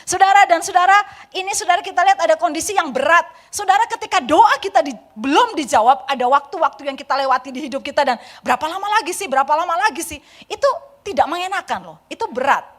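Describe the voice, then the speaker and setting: A high-voiced woman pastor in her forties delivers a sermon in a church. She is animated, rising to loud pleas and then dropping to a soft, confiding tone. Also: fast. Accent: Indonesian. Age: 40s. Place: church sanctuary.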